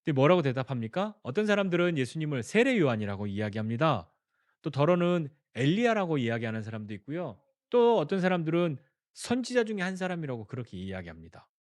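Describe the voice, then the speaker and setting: A man's voice: on the high side, big pitch swings, fast, no room sound, clean studio sound. A male pastor preaching a sermon, telling the story and asking the congregation questions. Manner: storytelling, acting out quoted dialogue.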